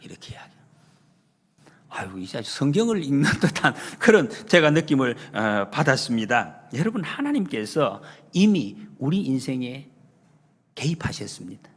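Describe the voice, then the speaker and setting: A male pastor preaching a Sunday sermon in a church, animated and emphatic, often acting out the lines he retells. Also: mid-range voice, moderate pace, slightly rough. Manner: retells scenes with acted quotes. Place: church sanctuary. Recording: long hall reverb.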